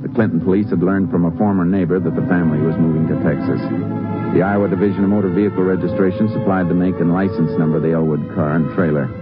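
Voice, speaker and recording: An actor playing a steady Texas Ranger in a 1950s radio drama, terse and methodical, narrating and questioning in a matter-of-fact way. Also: male voice, sits low, fast, natural voice. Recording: dull old 1950s radio recording, music.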